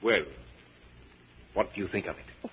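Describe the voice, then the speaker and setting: An actor playing a grandiose, menacing mad professor in an old-time radio drama, theatrical and commanding. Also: male voice, on the low side, unhurried, breathy edge, lo-fi sound. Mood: commanding, gloating.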